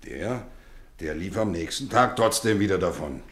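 Deep-voiced, animated kindly housemaster. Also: male voice, moderate pace, echoey room. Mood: wistful, reflective. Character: kindly, playfully stern boarding school housemaster, grown man. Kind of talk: German radio play acting.

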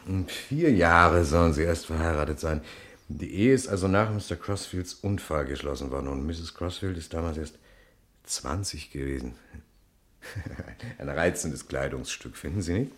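Deep-voiced, animated police commissioner. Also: male voice. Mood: wry, thoughtful. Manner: deliberate, hesitant questioning with dry asides. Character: probing police commissioner, male, courteous and wry. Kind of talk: German radio crime drama acting.

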